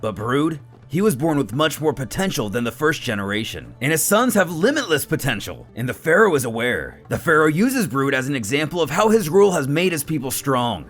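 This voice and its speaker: A man's voice: a little high, sing-song, fairly quick, fairly bright tone. A man narrating a scripted fantasy story dramatically, as a storyteller. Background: background music.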